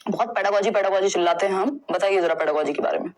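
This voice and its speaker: A woman's voice: medium pitch, fast talker, poor audio. A young woman teaching an exam-prep lesson in a conversational, reassuring way, mixing English terms into her speech. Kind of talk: online lesson, explaining test answers.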